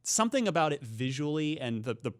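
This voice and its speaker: A man's voice: a little high, sing-song, quick pace. A man chatting casually about video games on a panel show, often restarting and rephrasing as he goes. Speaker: podcast panel host.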